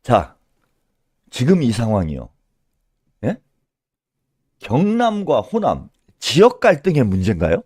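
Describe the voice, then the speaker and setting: A man's voice: medium pitch, huge pitch swings, slow pace, long pauses, a little mellow, slightly rough, no echo. A man doing solo political commentary in a scolding tone, firing rhetorical questions and tagging them with a pushy "eh?".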